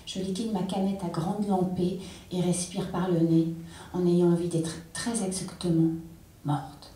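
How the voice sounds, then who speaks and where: A woman reads a literary text aloud in an intense, measured way, her voice low and dark. She is heard from a distance on a theatre stage, and the room gives a strong, ringing echo. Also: level tone. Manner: intense, measured dramatic reading. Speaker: reader. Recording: echoey hall, distant mic.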